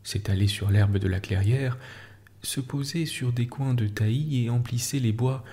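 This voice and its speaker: A man reading a literary story aloud in a calm, slow bedtime style, sometimes dropping to a whisper, close to the mic. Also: mid-range voice. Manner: slow, hushed, soothing delivery, dropping at times to a whisper. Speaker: narrator.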